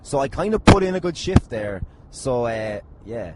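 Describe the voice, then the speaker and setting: An Irish podcast host trades casual, jokey, teasing banter with some swearing. His mid-range voice is very animated at a moderate pace, and the recording is very noisy and sometimes slightly distant.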